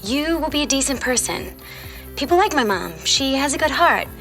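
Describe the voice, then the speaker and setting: Bright, sassy teenage girl. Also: sits high, lively intonation, normal speed, faint music behind. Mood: earnest. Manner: sarcastic, casual teen phrasing. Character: sassy, world-wise fifteen-year-old girl from the future. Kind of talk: audio fiction drama acting.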